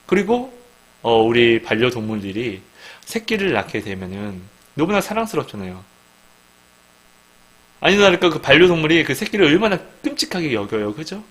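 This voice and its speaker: Male preacher, informal devotional talk, animated pitch, rhetorical questions, light mains hum. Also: normal speed, poor audio. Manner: asks the listeners questions and acts out quoted dialogue. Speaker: Christian speaker giving a devotional talk. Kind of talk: informal sermon.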